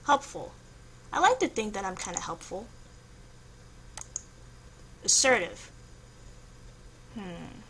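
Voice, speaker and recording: A woman's voice: fairly low pitch, a bit bright, rough recording. A young woman vlogger chatting casually, thinking aloud in a hesitant, noncommittal way as she works through a quiz. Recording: home recording with faint background noise.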